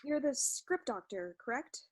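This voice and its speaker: A woman acting as a desperate playwright in a comedy sketch, her voice fairly high. She is hesitant and anxious, pleading with melodramatic feeling. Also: lively intonation, unhurried. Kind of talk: comedy sketch staged reading.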